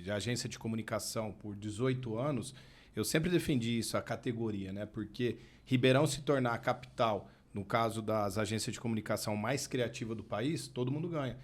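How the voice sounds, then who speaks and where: A middle-aged man in advertising, a podcast guest who talks in a relaxed, conversational way and often tags his sentences with a question. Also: mid-range voice. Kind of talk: podcast interview.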